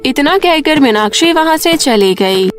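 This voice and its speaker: Woman narrator, cartoon storybook telling, high voice, soft music underneath. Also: expressive, a little slow.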